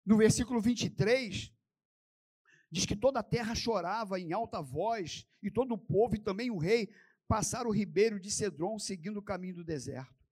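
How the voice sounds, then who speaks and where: Man preaching a sermon; dramatic, swings between shouting and soft asides. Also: high voice, normal speed, slightly rough. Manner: addresses listeners as brothers, asks rhetorical questions.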